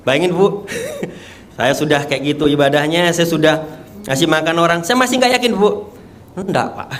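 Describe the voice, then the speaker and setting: A man's voice: on the high side, normal speed, fairly bright tone, slight background noise. A young man, telling his testimony with emotion and emphasis, laughing often as he talks. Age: young adult. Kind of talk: animated testimony before a live audience.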